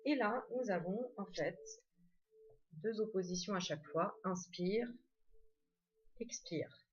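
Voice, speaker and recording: A woman's voice: mid-range voice, lively intonation, unhurried, breathy edge, muffled recording. A woman casually showing her tarot and oracle card decks, chatty, with many fillers and restarts. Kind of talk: casual show-and-tell.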